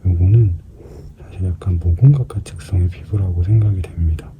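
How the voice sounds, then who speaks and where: A man giving a casual explanatory commentary as a skin care practitioner at work, hesitant at times and now and then dropping to a soft murmur. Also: low voice, a little fast. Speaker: skin clinic practitioner narrating an extraction procedure. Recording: clearly noisy room recording.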